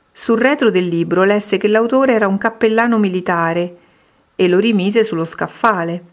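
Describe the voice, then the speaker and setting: A woman reading a Christian devotional book aloud in a steady, measured way. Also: medium pitch. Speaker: reader.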